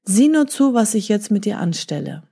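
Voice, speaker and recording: A woman's voice: mid-range voice, expressive, normal speed, mellow. Woman doing a short-tempered bird hunter. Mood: angry. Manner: gruff and scornful. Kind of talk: storybook reading.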